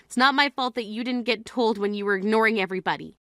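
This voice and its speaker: Woman doing a fed-up grieving sister, high bright voice, scolding hard, dry close sound. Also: fast, no echo. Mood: reproachful. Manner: scolding, exasperated. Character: exasperated grieving sister, blunt and indignant. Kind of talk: scripted drama acting.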